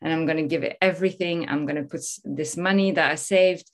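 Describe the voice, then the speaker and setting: Low-voiced French woman, chatty guest. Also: fairly even intonation, quick pace. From France. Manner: enthusiastic, storytelling, many fillers. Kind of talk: casual interview talk.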